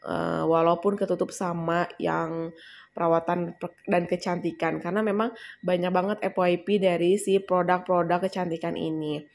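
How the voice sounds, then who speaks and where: A woman's voice: lowish voice, flat delivery, moderate pace, vocal fry, a little mellow. A young woman casually walking viewers through trending online shop products, chatty and addressing them as guys. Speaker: affiliate marketing vlogger. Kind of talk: casual screen-recording walkthrough.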